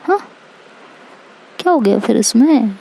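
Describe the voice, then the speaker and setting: A woman's voice: on the high side, expressive, gravelly, dark tone, husky, full character voice, poor audio. A woman voicing a playful young woman lover who teases and pushes insistently. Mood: teasing. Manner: teasing, insistent, quick.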